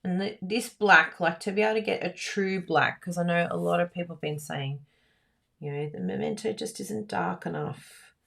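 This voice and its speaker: A woman with a croaky voice, hosting a live card-making class in a chatty, giggly, self-teasing way. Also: lowish voice, normal speed, a bit bright. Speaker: card-making instructor and livestream host. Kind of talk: live craft class chat.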